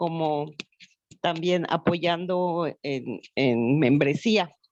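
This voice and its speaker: A woman is speaking. Her pitch is fairly low. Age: 60s. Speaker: Rotary club member. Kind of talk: open discussion contribution.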